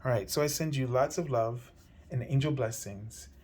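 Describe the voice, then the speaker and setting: A man with a medium-pitched voice leads a weekly tarot reading. He talks gently and circles around his points, often pausing on fillers and starting over. His voice carries a slight hoarseness. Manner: meandering, gentle, many fillers and restarts. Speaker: tarot reader.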